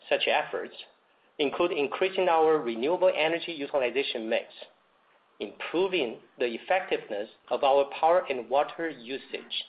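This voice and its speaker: A man in the role of a company executive, reading a scripted earnings presentation in a formal, measured way. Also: on the high side. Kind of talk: scripted earnings call presentation, read aloud. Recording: dull lo-fi conference call audio.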